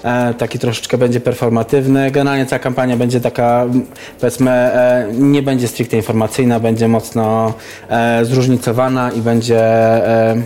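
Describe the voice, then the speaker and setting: A man speaking as an interview guest, explaining things informally in a careful, halting way. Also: mid-range voice, little pitch movement, mellow. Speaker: interview guest, campaign activist.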